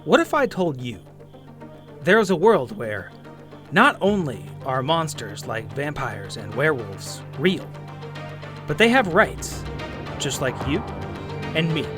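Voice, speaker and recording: Guy doing a dramatic show intro, higher voice that swings around, music under it. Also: sing-song, takes it slowly, long pauses. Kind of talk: dramatic scripted narration.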